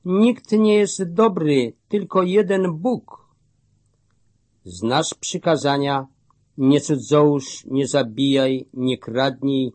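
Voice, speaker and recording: A man reading the words of Jesus as a calm, authoritative teacher, in a measured, solemn way. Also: fairly high pitch, no room sound.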